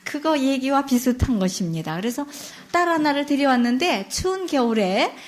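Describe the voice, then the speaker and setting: Woman nun lecturing, chatty storyteller, fairly high voice, lively. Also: normal speed. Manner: lively, chatty, asks listeners questions.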